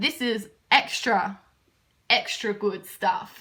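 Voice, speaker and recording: A woman with an Australian accent, her pitch fairly high. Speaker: tarot reader. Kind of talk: tarot reading to camera. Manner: animated.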